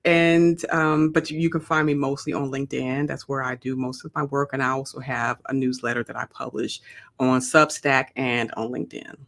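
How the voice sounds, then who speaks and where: A woman's voice: very deep voice, flat delivery, normal speed, a bit bright. A woman author speaking as a podcast guest in casual interview chat, conversational with frequent ums and restarts.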